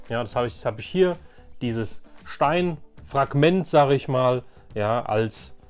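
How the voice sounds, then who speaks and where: A man's voice: mid-range voice, a little mellow. A man hosting a casual show-and-tell collecting vlog, enthusiastic and rambling, often repeating himself. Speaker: host of a toy collecting channel.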